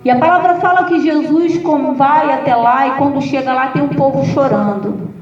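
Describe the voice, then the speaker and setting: A Brazilian woman pastor delivers a sermon in a high voice, telling stories with humor. She sounds distant in an echoey room, and the recording is dull and muffled. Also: moderate pace. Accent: Brazilian Portuguese. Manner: lively, humorous storytelling with acted quotes.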